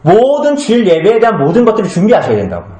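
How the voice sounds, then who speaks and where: Male pastor, conversational sermon, animated delivery with acted-out asides, roomy church sound. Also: sits high, racing. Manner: conversational, asks the congregation many questions; acts out short comic scenes with changed voices. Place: small church hall. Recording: echoey room.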